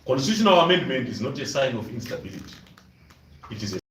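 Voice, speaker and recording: A man with a Zimbabwean accent addressing a press conference as its main speaker, with deliberate, emphatic phrasing. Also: mid-range voice, sing-song, a bit bright. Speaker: civic forum leader, main speaker. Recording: echoey room, distant mic, clear noise.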